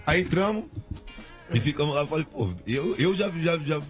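A man's voice: fairly high pitch, lively intonation, moderate pace, faint music behind. A man, a guest on a radio show, telling a story in slangy casual talk with many restarts.

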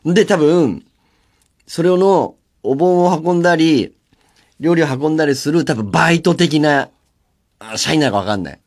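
A solo radio host sits at a studio microphone, chatting casually and laughing as he spins stories with lively ups and downs. His voice is a bit high and moves at a normal speed.

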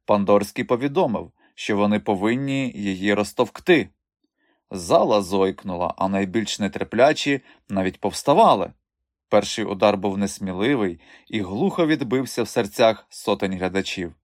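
A man narrating an audiobook in an expressive storytelling manner. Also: on the low side, normal speed, no room sound, studio quality. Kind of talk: scripted narration.

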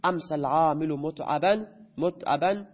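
A man's voice: a little high, highs cut off. A man teaching grammar in a lecture, who asks his students questions and then answers them himself.

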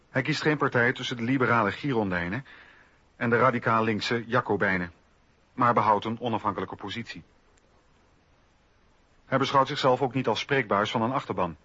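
A man's voice: medium pitch, pushed and bright, breathy edge. A man narrating a scripted historical radio documentary in a factual, declarative way. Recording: dull radio recording, faint noise.

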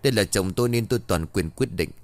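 A man's voice: lowish voice, fast talker, a little mellow, no room sound, close to an everyday voice. Man doing a cold defiant widow. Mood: firm. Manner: cold, firm, threatening. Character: cold, defiant middle-aged widowed woman.

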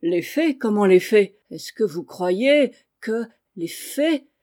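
A woman reading aloud, voicing a miserly, sharp-tongued old cousin who scolds her servant. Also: mid-range voice, animated, normal speed, lightly acted. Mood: frightened. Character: shrill miserly old cousin, harsh mistress.

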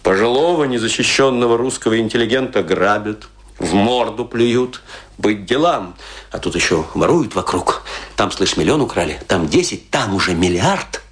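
An actor playing a rueful, self-mocking, tipsy middle-aged Russian intellectual in a theatrical monologue, confiding and declaiming with dramatic pauses. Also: male voice, fairly low pitch, animated. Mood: mournful, ironic.

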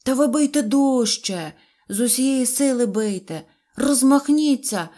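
A woman voicing a cheerful, boastful little fairy-tale man who speaks loudly and excitedly, forever apologising for his words. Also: sits high, moderate pace, lightly acted. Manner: loud, excited, ever-apologetic phrasing.

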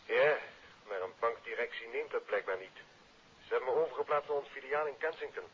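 A man acting an aggrieved, talkative bank employee with a husky voice, heard through a telephone in a 1950s radio serial. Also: mid-range voice, brisk, slight background noise. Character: male bank employee, aggrieved, wordy, uneasy. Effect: telephone filter. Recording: thin, narrow telephone-style old radio sound.

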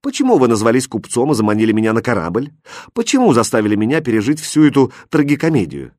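A man's voice: big pitch swings, fast talker, darkish tone, dry recording, studio quality. A man voicing a proud, frightened young princess in an audiobook fairy tale. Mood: mocking. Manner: shrill, indignant outbursts.

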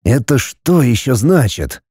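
A man's voice: medium pitch, big pitch swings, a little slow, darkish tone, slightly rough, dry recording. A man voicing a confused but resolute young man in a plain, restrained way, close to his own voice.

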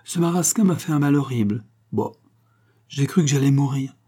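A passionate young gypsy woman, jealous and quick to flare, her voice lifted high, as a male reader puts her on. The tone stays dark and mellow, with a husky edge under it. Heard as a storybook character in an audiobook. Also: lightly acted. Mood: weary, unsettled.

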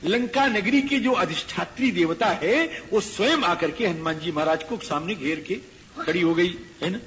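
A man's voice: sits high, normal speed, a bit bright. A man giving a devotional discourse, chanting verses and explaining them, voicing characters. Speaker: Ramayana preacher. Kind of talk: devotional discourse with Sanskrit recitation. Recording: echoey hall, faint background noise.

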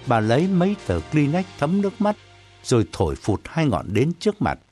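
A man narrating a story in an expressive, dramatic reading. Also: fairly high pitch, moderate pace, faint music behind. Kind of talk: audiobook narration.

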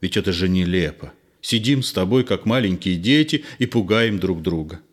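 A man reading an audiobook play, voicing a gentle, nervous man who speaks low and soothingly. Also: expressive, normal speed.

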